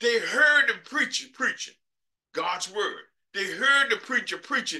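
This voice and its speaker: With a raised, projected voice, a man speaks at a fairly slow pace in an animated tone, his bright, sharp, extremely high pitch swinging very widely. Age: 60s. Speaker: pastor. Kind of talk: sermon. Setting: video call.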